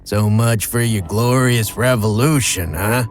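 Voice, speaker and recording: A man acts a villainous military major for a game, low and slow. He sneers and drawls his mockery, cocky and threatening, with music clearly behind him. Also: natural voice. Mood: taunting. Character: mocking, menacing male army major, a cocky villain. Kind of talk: scripted game dialogue.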